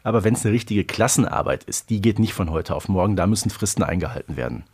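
A man's voice: on the low side, expressive, fast talker, a little mellow, husky. A man in his forties co-hosting a podcast in casual chat, explaining things and steering the discussion. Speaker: podcast co-host.

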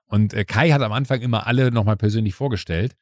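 A man's voice: fairly low pitch, fast, no room sound, clean studio sound. A man in his forties hosting a podcast, telling a story casually and animatedly, acting out what people said, with frequent fillers. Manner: animated, acts out quoted dialogue, frequent fillers. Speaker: podcast host.

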